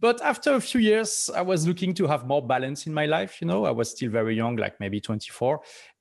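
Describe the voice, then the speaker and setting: Talking at a fairly quick pace with hardly any pauses, a man with a French accent swings his pitch very widely. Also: fairly high pitch for a man. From France. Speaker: entrepreneur and author. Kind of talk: interview. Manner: hesitant.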